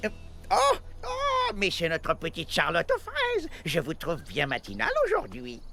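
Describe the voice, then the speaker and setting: Old little cartoon inventor creature, proud n flustery, pitch jumping all over, music behind. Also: huge pitch swings, measured pace, gravelly, exaggerated voice. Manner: hesitant, theatrical, swooping exclamations. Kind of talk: animated children's series dub.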